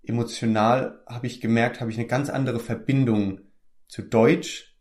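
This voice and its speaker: A man's voice: mid-range voice, steady tone, measured pace, darkish tone. A young man, an actor from the Palatinate in Germany, chatting casually in an interview, easygoing and full of hesitant fillers and restarts.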